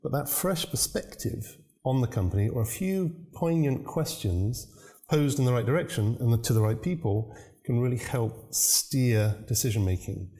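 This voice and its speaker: A man, a new parent, answering interview questions about business and communication in a measured, reflective way. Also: medium pitch, lively intonation, mellow. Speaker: business consultant guest.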